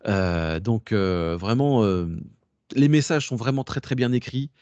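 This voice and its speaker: A man's voice: fairly low pitch, a little slow, a little mellow, dry recording. A man giving a casual workshop talk to a class, digressive, slangy and chatty. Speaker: workshop presenter. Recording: dull lo-fi dry recording.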